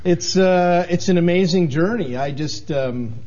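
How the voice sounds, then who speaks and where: A New England television station manager in his sixties, appearing as a guest in a candid interview, tells his story earnestly and rambles, restarting sentences and using lots of fillers. His voice is mellow and dark yet sits high, and he speaks a little slowly. The recording is slightly dull and muffled.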